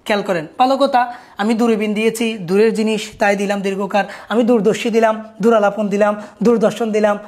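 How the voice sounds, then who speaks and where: A woman's voice: mid-range voice, fairly even intonation, fast, darkish tone. A woman, a teacher giving a recorded spelling lesson, explaining patiently and often telling listeners to look closely.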